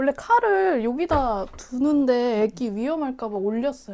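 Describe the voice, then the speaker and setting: A woman's high-pitched voice at a moderate pace, with lively intonation, hardly any pauses and noticeable background noise. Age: 30s. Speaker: homemaker on parental leave. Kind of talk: casual home tour chat. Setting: at home.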